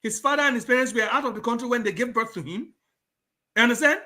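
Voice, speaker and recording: A fast talker with an extremely high, pushed, bright voice, this Nigerian man carries a Yoruba accent. On a political talk show where he's a guest, he argues emphatically and alternates between Yoruba and English.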